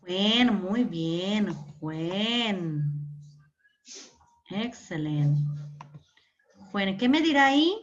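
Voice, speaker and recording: A woman's voice: medium pitch, animated, extremely slow, long pauses. A woman English teacher giving a classroom lesson, patient, repeating words and quizzing her pupils. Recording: dull lo-fi recording.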